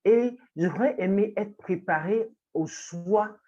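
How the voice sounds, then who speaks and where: A woman's voice: medium pitch, slow, dark tone, dull audio. Togolese woman, thoughtful and hesitant. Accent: Togolese French. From Togo. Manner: thoughtful, with frequent hesitations and restarts. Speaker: guest, writer and journalism lecturer. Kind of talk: reflective interview talk.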